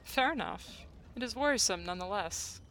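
A man voicing a small, cheerful woman samurai who teases and probes gently. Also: high voice, animated, fairly quick, pitched above the performer's own voice, heavily acted. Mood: wry. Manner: playful, gently probing.

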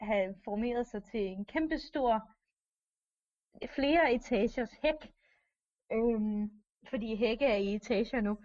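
A woman's voice: fairly high pitch, darkish tone, muffled recording. A woman improvising a story in a rambling, hesitant way, with lots of fillers.

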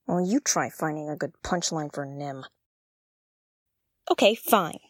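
A woman's voice: low-pitched, animated, measured pace, no room sound, clean studio sound. A woman playing an inquisitive young spaceship explorer in an audio drama, wryly talking to herself as she goes. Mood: wry, exasperated. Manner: talks to herself, wry and inquisitive. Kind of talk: audio drama acting, narrating actions aloud.

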